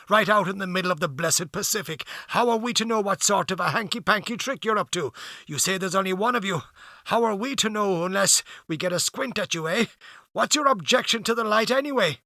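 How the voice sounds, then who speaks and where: A man's voice: high-pitched, lively intonation, brisk, sharp tone, no echo, studio quality, voice pushed up, full character voice. A man voicing a blunt, practical sailor who speaks brusquely and colloquially. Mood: coaxing. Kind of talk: storybook reading.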